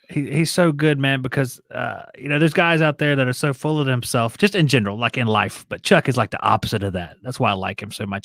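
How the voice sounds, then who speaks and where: Someone with a Southern US accent talks at a very fast pace in a very clean recording with a silent background and a dry, close sound with no echo. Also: man. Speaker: HVAC technician. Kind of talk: casual chat.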